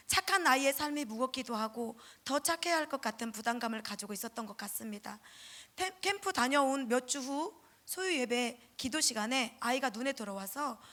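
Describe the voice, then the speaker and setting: A high-pitched woman in middle age, speaking as a pastor's wife at a church revival. She tells her testimony in a lively storytelling way and slips into the voices of the people she quotes.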